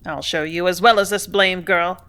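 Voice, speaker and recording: A woman's voice: on the low side, fairly even intonation, moderate pace, pushed and bright, clean tone. A woman reading the part of a brusque, blustering male factory superintendent who snaps and roars at his clerk. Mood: angry. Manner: snapping, roaring, bullying.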